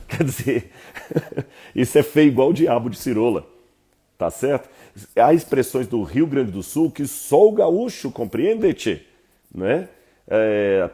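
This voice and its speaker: A man with a Brazilian Portuguese accent giving an informal Bible lesson, lecturing in a lively, conversational way with asides to his viewers. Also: mid-range voice, slightly rough. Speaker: Bible teacher.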